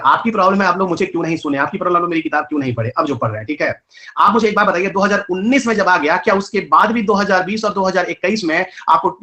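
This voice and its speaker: His voice sits high and sounds bright and forceful: a man with a rural north Indian Hindi accent teaching a live online exam-prep class. Scolding students and throwing out rhetorical questions, he talks in rapid colloquial Hindi peppered with English terms.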